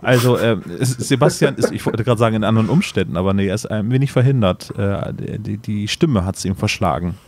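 Ein Mann moderiert locker und scherzend einen Podcast und lacht oft. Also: male voice, lowish voice, fairly quick, hardly any pauses, no room sound. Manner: relaxed, joking, laughs often. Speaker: podcast host. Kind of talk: casual podcast chat.

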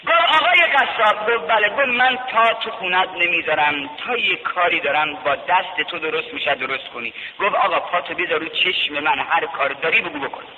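A middle-aged man preaching a story-filled sermon in a mosque over a loudspeaker, dramatic, with loud drawn-out cries. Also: on the high side, slight background noise. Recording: echoey hall, dull archive recording.

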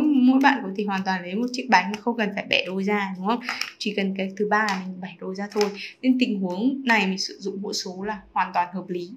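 A woman teacher explaining fractions in an online lesson, chatty and often checking in with her students through quick rhetorical questions. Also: mid-range voice, a little hiss or hum. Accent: Vietnamese. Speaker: math teacher.

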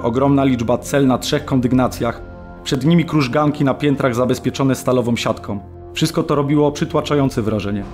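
An actor playing a weary, often-jailed political prisoner, giving a measured, descriptive monologue in a radio documentary drama. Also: male voice, medium pitch, darkish tone, natural voice.

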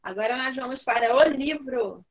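A woman's voice: sits high, moderate pace, lo-fi sound. A woman, teaching a class online and patiently coaxing her pupils by name with repeated questions. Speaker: primary school teacher.

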